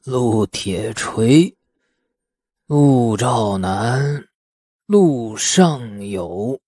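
A male narrator plays a withered old man close to a hundred in an audiobook. He mutters hoarsely and drags each word out very slowly, suspicious and halting, in a dry, close recording. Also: mid-range voice, animated, warm tone, no echo, heavily acted. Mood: dazed, reminiscing. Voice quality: hoarse, aged. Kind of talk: audiobook character voice.

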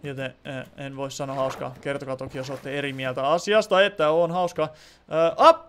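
A man's voice: mid-range voice, fairly even intonation, a bit bright, slight background noise. A young man chatting casually while he plays a building game on a live stream, thinking aloud and answering viewers' comments.

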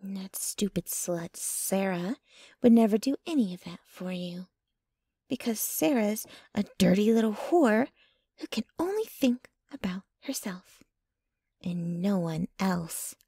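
A woman's voice: mid-range voice, lively intonation, unhurried, warm tone, no echo. A woman playing a jealous, possessive, dominant yet clingy young girlfriend in an intimate, whispery ASMR roleplay, close to the microphone. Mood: jealous, contemptuous. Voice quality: breathy, whispery. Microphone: close microphone, dry.

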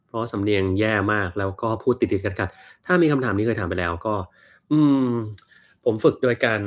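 A man in his thirties hosting a casual livestream Q&A, reading viewer comments and answering in a relaxed, chatty way full of fillers. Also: lowish voice. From Thailand. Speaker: doctor and livestream host.

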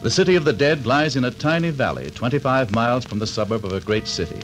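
A man narrates an old radio mystery serial with ominous drama, his pitch swinging widely. Faint music sits under the vintage broadcast. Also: expressive, fast, low-quality recording. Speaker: announcer and narrator. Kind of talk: 1940s radio announcing.

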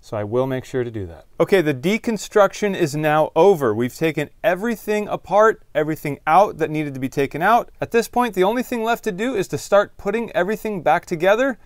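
A man with a slightly higher than average voice talks through a hands-on repair job. He explains things step by step in plain, practical language. The recording is close and dry, with very little room sound. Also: animated, a little fast, few pauses, no echo. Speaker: host of a DIY car repair video. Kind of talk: hands-on tutorial narration, talking while working.

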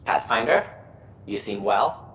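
Formal, stern alien director. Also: male voice, fairly low pitch, big pitch swings, fairly bright tone, slight background noise, heavily acted, low-quality recording. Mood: stern, conceding. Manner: formal, deliberate.

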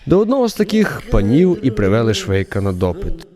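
A man narrating a radio drama in an expressive, wry, literary storytelling style. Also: on the low side, brisk, a crowd in the background.

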